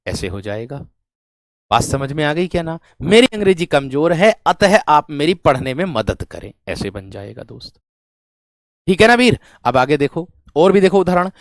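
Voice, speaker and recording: A Hindi grammar teacher gives a classroom lesson, dictating example sentences, repeating phrases, and frequently checking that students follow with familiar rhetorical questions. He speaks at normal speed in a very animated, slightly high voice. The recording is dry, with clean studio sound.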